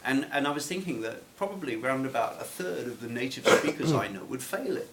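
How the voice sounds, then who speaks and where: A man's voice: mid-range voice, lively intonation, brisk, very noisy. A man from England, an English trainer, chatting in a group discussion in a chatty, self-mocking way with a lot of repeated starts.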